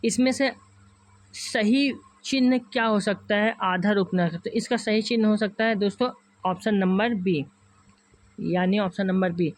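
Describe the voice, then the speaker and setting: A male teacher with a high-pitched voice and a north Indian Hindi accent gives an online class lecture in Hindi, working through exam questions. He addresses viewers as friends and goes over each option repeatedly.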